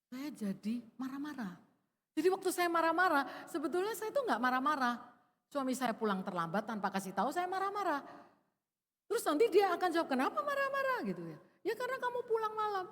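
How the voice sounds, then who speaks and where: Woman preacher, middle-aged, chatty and expressive, fairly high, echoing church hall. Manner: conversational, expressive, drops to soft emphasis. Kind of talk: sermon.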